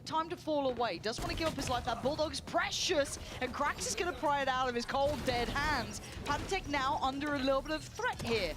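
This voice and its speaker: A female caster with a high voice calls the action in quick, polished broadcast style. There is clear noise on the broadcast feed behind her. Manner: brisk, polished broadcast delivery. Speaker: esports caster. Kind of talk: play-by-play commentary.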